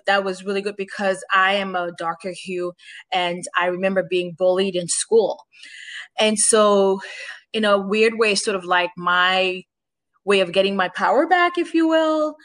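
A woman's voice: medium pitch, fairly bright tone. A woman from Haiti who grew up in Boston, a former broadcaster, speaking reflectively in an interview with many restarts. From Haiti, raised in Boston. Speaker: interview guest, former broadcaster and makeup artist. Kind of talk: conversational interview.

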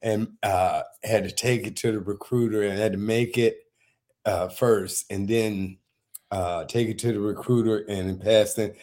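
A man's voice: lowish voice, fairly even intonation, moderate pace, darkish tone. An older man, a military veteran, telling stories as a podcast guest in a rambling way, full of fillers. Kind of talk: casual podcast interview.

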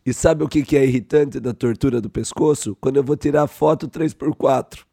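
A Brazilian man co-hosting a podcast in casual chat, hoarse today, acting out other people as he tells stories. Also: medium pitch, fairly quick. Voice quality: hoarse, gravelly. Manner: animated storytelling, acts out others. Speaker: podcast co-host.

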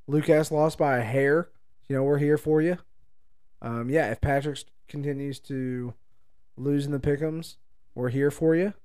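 Mellow-voiced man hosting a casual podcast. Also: a little high, steady tone, normal speed, smooth. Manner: rambling, playful. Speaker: podcast co-host.

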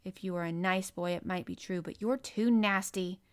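A woman's voice: lowish voice, steady tone, normal speed, smooth, natural voice. A woman voicing a stiff, obstinate young girl in a storybook reading, with a fierce, contrary, unsympathetic manner. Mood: sour, scornful.

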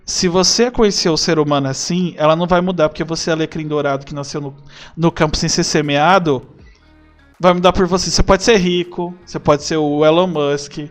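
A young Brazilian man chatting as a podcast guest, animated and acting out bits of dialogue. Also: on the high side, a little fast, soft background music. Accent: Brazilian Portuguese. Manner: animated, acts out quoted dialogue. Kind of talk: casual chat.

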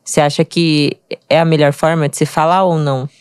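Podcast co-host, casual questions, a bit hesitant, smooth clear voice, dry sound. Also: medium pitch, flat delivery, fairly quick, dry recording.

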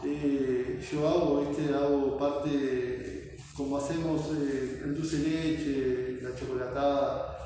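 A man with a Rioplatense accent, a student answering questions haltingly with many fillers. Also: medium pitch, flat delivery, warm tone. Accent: Rioplatense Spanish. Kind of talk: answering in an interview. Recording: distant mic, very echoey room, faint noise.

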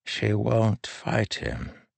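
A man puts on a frail old king, weary and fatalistic, his slow, soft words trailing off in sorrow. The voice is raised above the reader's own very deep register, yet it stays rough and gravelly. It sounds close and dry, as in an audiobook. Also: big pitch swings, no echo, exaggerated voice. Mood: resigned. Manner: soft, drawn-out, sorrowful delivery. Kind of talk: audiobook character voice.

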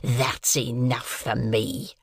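A reader voicing a hard, disdainful male convict who talks low, muttering and half-whispered. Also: flat delivery, takes it slowly, creaky, breathy edge, no room sound, heavily acted. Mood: scornful.

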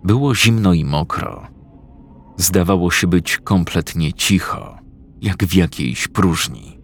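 Low gravelly male horror narrator. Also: expressive. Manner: slow, measured storytelling. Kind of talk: scripted horror story narration.

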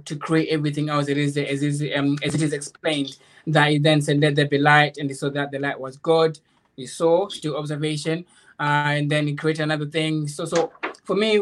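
A man in an informal spiritual discussion, explaining earnestly in a rambling way, repeating phrases and checking that he is understood. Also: a little high. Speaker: guest, author.

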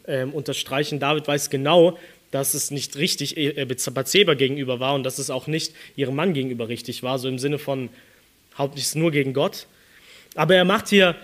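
Earnest young preacher, fairly high voice. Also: male voice, fairly bright tone. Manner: earnest, rising emphatically when reading scripture. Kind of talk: sermon.

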